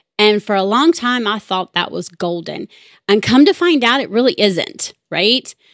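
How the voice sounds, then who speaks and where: Her fairly high voice animated and full of very wide pitch swings, a woman speaks at a moderate pace in a dry, close sound with no echo. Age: 50s. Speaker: podcast host and wealth coach. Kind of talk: solo podcast monologue.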